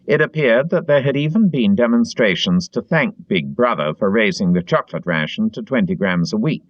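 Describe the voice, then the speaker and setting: A man narrates a novel with a dramatic, expressive delivery. His voice sits on the low side and moves in lively contours. The recording is dry and slightly muffled. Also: moderate pace, no echo. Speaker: audiobook narrator. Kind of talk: scripted literary narration.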